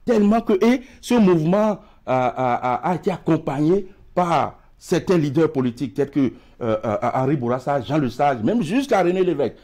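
A man's voice: on the high side, big pitch swings, moderate pace, hardly any pauses, a little mellow. A middle-aged man with a West African French accent, a guest in a TV studio interview, who gestures widely and stumbles over repeated words. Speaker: studio guest, emigration expert. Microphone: lapel mic.

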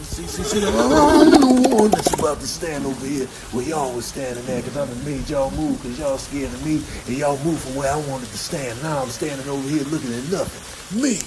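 A man's voice: mid-range voice, expressive, normal speed, hardly any pauses, over a noisy crowd, lightly acted, low-quality recording. A man with an American accent voicing a cocky, confrontational animal in slangy comic voice-over. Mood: grumbling. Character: brash, streetwise male animals, cocky and quick to take offence. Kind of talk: comic animal voice-over, improvised trash talk.

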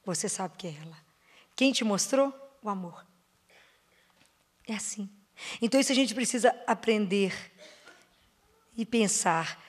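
A woman gives an expressive sermon to a parish prayer group in a church or parish hall, her accent Brazilian Portuguese. She engages listeners with questions, stretches out the words she emphasizes and quiets to a low, soft voice on crucial phrases.

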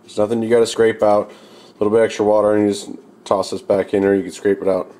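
A young man casually demonstrating camp cooking outdoors at night, talking in a relaxed, rambling way full of fillers, recorded on a camera held close. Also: fairly low pitch, fast talker.

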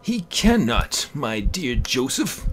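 A man playing an elderly, skeptical bachelor who speaks formally and with measured emphasis in a horror story. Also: medium pitch, sing-song, a bit bright. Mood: firm, exasperated.

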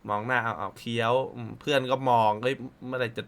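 A man hosting a casual reaction video, excitable and full of exclamations and swearing. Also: mid-range voice, quick pace, smooth. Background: background music.

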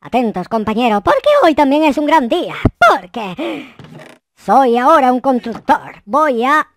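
A man voicing a silly, childish, excitable noob boy from a Minecraft roleplay, with goofy, exaggerated delivery. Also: very high voice, no echo, exaggerated voice. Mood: goofy, excited. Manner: exaggerated, goofy, dramatic, drawn-out exclamations. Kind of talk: roleplay gameplay commentary.

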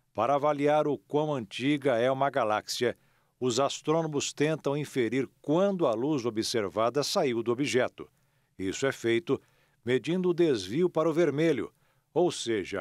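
A man reading a scripted science news report as a voice-over, even and explanatory. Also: medium pitch, no echo, studio quality.

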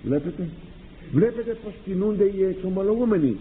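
Lively man preaching in an echoing hall. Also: high voice, a little hiss or hum. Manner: animated, rhetorical questions and acted-out dialogues. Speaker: priest and confessor. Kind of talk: sermon. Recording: tinny lo-fi archive recording in a reverberant hall.

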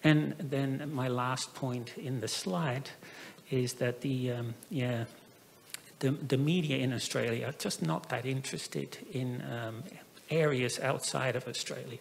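Gravelly man presenting in a reverberant hall. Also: medium pitch, a little slow, a little hiss or hum. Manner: hesitant, many fillers and restarts. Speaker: professor presenting at an academic forum. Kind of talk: conference presentation. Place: conference hall. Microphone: handheld microphone.

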